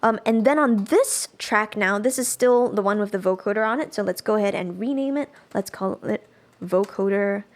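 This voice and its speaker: A woman giving a casual live software tutorial as a music production instructor, thinking aloud as she demonstrates. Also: medium pitch, normal speed.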